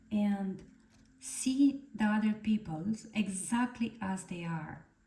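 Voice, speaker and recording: Very slow in pace, a woman with a non-native accent has a fairly high pitch, a dark, mellow tone and a somewhat breathy sound. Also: ordinary pitch variation. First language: not English. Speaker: tarot reader. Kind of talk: spiritual guidance reading. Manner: halting.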